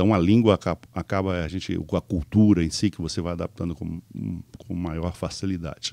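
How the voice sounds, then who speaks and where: Against a quiet background, a man talks in a very deep, low voice with a dark, mellow tone. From Brazil, Goiás interior. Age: 70s. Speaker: business owner. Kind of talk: podcast interview.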